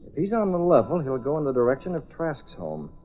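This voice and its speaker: An actor playing a calm, authoritative male hero in a 1930s radio drama, speaking in a measured way, on a scratchy, narrow old recording. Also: on the high side, breathy edge, full character voice.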